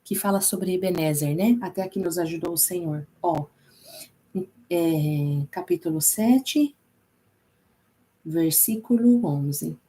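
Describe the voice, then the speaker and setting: A woman's voice: lowish voice, slow, mellow. A woman with a Brazilian Portuguese accent who teaches an informal Bible class in a chatty way, repeating herself and using many fillers.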